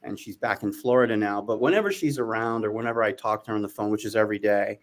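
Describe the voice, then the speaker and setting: Middle aged guy, kinda low voice, chatting and telling stories as a guest, casual and reflective. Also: fast talker. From born in Jamaica, raised in New York from age four. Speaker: interview guest, former news anchor.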